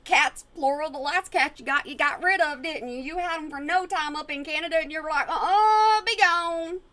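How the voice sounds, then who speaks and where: A woman's voice: high-pitched, normal speed, sharp tone. A woman hosting a reaction video at home, making sarcastic, sassy remarks back at a clip. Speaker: reaction channel host. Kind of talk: casual commentary over a clip.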